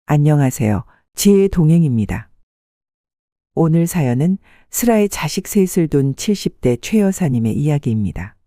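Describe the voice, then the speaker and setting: A channel host who narrates an audiobook story in the first person, reading in a calm, measured way. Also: medium pitch, dry recording.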